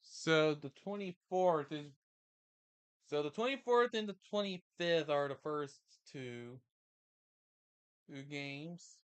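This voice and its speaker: A man's voice: on the high side, slow pace, pauses often, smooth, dry recording, muffled recording. A man commentating sports in a casual, rambling stream chat, thinking aloud and repeating himself.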